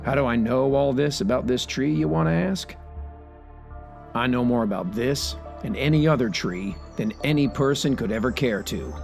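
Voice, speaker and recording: Casting: folksy conspiratorial crank, gravelly mid-pitched voice, comic radio sketch. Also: male voice, darkish tone. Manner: emphatic, conspiratorial. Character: folksy, paranoid, self-important tree-hating slayer. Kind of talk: sketch comedy monologue.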